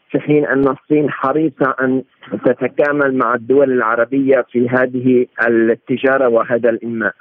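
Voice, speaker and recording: A man's voice: medium pitch, no echo. Man on a tinny phone-like line. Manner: formal Standard Arabic, explanatory, with halting self-corrections. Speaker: political and economic analyst, interview guest. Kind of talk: live interview commentary. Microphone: remote phone-like connection.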